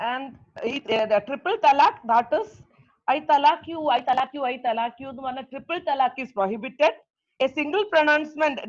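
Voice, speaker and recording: High-voiced woman lecturing on law. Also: dull audio. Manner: explanatory, repeats key terms, slow deliberate English phrases. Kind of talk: law lecture mixing English and Malayalam.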